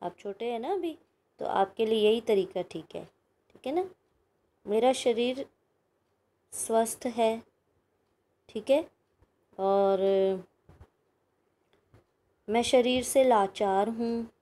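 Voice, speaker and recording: A woman's voice: a little high, takes it slowly, pauses often, mellow. A woman teacher giving a recorded grammar lesson to young pupils, patient and explaining step by step with frequent checking questions. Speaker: school teacher.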